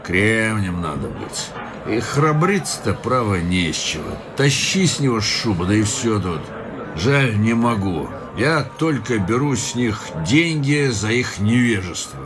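A man's voice: fairly low pitch, expressive, measured pace, noisy background. An actor playing a cynical, hard-drinking male petition-writer in a radio play, boisterous and mocking, always pressing drinks on his companion. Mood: boozy. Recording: music playing behind the voice.

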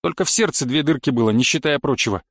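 A man's voice: medium pitch, fast, fairly bright tone, dry recording, studio quality. A man voicing a pedantic male knife-fighting coach who lectures dryly and thoroughly in an audiobook. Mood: lecturing. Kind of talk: audiobook character reading.

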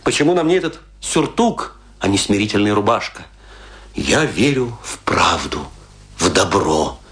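An actor playing a rueful, self-mocking, tipsy middle-aged Russian intellectual in a theatrical monologue, confiding and declaiming with dramatic pauses. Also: male voice, fairly low pitch, sing-song, a bit bright. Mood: wry, confiding.

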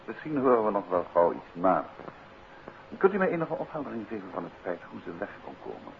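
An actor playing an urbane, confident amateur detective in a 1950s Dutch radio play, with a Netherlands accent. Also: male voice, lowish voice, very animated, a little fast, creaky. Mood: probing, calm. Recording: muffled noisy 1950s radio recording.

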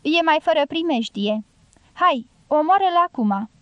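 A woman reading the part of a tipsy male gypsy guerrilla who keeps urging in a low, insistent voice. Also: animated, no room sound, lo-fi sound. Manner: urgent low prodding, half-whispered.

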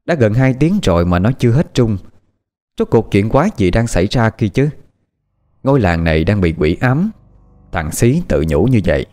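A man reads a horror story aloud in a low voice. His intonation rises and falls widely to build suspense. Faint music plays behind him. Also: darkish tone. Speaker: audiobook narrator. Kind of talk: scripted horror story narration.

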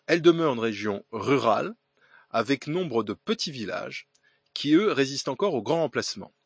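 Male podcast host, husky, animated delivery, reads listener mail with hesitations, dry close sound. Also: mid-range voice, moderate pace, no echo. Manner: hesitant reading with fillers and restarts, ironic asides. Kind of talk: reading listener letters aloud with asides.

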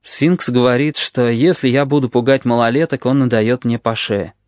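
A man's voice: mid-range voice, fairly even intonation, moderate pace, darkish tone, dry recording. A man narrating a novel in the first person, reading expressively. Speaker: audiobook reader.

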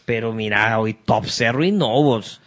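A man's voice: fairly low pitch, lively intonation, measured pace. A man with a Salvadoran accent co-hosting a podcast, joining in slangy, teasing banter. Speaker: podcast co-host. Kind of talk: casual chat.

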